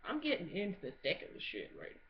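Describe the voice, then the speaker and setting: A woman's voice: lowish voice, huge pitch swings, fast. A woman giving a casual, comedic video-blog monologue in a blunt, sweary, sarcastic way. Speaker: amateur video blogger. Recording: muffled audio with clear background noise.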